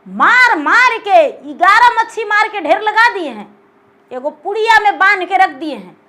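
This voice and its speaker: A woman's voice: very high-pitched, lively intonation, moderate pace, sharp tone, pitched above the performer's own voice, exaggerated voice. A woman playing a chattering naive farmhand. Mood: proud. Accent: Magahi. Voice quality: eager, chattering, proud of his foolish deeds. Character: simple-minded male farmhand, cheerful and naive.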